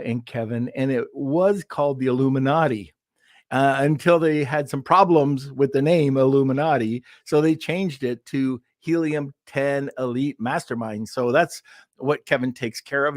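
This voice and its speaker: Man, podcast host, excitable, rambling, dry close sound, video call. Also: mid-range voice, moderate pace, no echo. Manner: excitable, rambling, laughs at himself. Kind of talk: casual live-stream chat.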